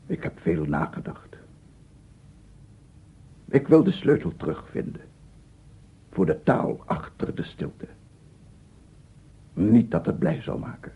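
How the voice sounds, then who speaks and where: Gravelly, tormented visionary scientist. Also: male voice, low-pitched, heavily acted. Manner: halting, repetitive, rambling, from murmurs to loud declaiming. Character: unhinged, tormented male scientist, a visionary sound researcher. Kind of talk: radio play monologue. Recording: narrow, phone-like old radio recording.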